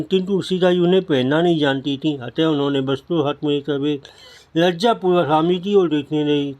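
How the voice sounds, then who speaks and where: Man reading scripture aloud, fairly high voice. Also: darkish tone. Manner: reads aloud with restarts and repeated words.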